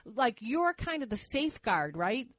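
A woman's voice: a little high, very animated, a little slow, fairly bright tone. A woman hosting a talk show, interviewing a guest in a chatty, agreeable way. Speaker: host.

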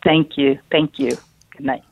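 A woman calling in to a radio show, speaking thoughtfully with pauses and fillers. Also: sits low, fairly even intonation, creaky. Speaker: caller, clarinetist. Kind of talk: call-in talk over phone. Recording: dry tinny phone line.

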